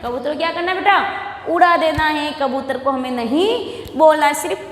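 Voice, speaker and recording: A woman teaching Hindi letters to young children, with a Rajasthani Hindi accent and slow, drawn-out recitation, asking the children questions as she goes. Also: high-pitched. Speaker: primary school teacher. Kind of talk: recorded classroom lesson for young children. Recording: echoey room with long reverb.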